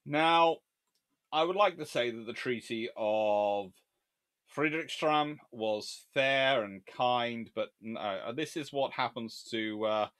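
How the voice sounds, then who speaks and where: A man's voice: mid-range voice, slow pace, a bit bright. A man giving a long, digressive history lecture on a livestream, sarcastic and openly exasperated at blunders.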